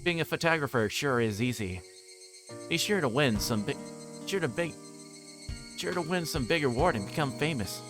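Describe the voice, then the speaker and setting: A man's voice: on the high side, expressive, moderate pace, pauses often, voice pushed up, lightly acted. A man voicing a teasing, breezy teenage schoolgirl from a visual novel, with music behind him.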